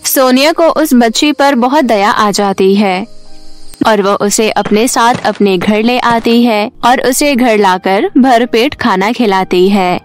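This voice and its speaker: A woman storyteller narrates a scripted bedtime fairytale for children. Her voice sits fairly high, and faint music runs behind the narration. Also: takes it slowly.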